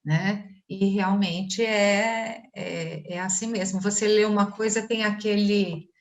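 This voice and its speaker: Calm, reflective woman. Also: medium pitch, takes it slowly. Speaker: study group participant. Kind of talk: casual group discussion.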